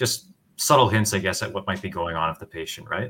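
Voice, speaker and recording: Over a very clean recording with a silent background, a man with a Canadian accent speaks at a fairly quick pace in a fairly low pitch, with a bright, sharp tone and ordinary pitch variation. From Ontario, Canada. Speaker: paramedic and writer. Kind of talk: interview.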